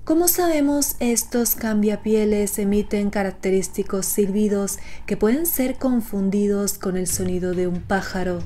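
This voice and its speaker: A woman narrates from a script in a mellow, rounded voice. Her pitch sits in the middle range for a woman. Soft music plays faintly underneath her narration. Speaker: narrator of horror series explainer videos.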